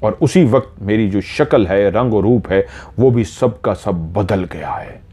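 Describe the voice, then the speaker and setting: A man's voice: lowish voice, measured pace, dark tone. A man telling a horror story, earnestly retelling a listener's dream in first person and drawing out repeated phrases.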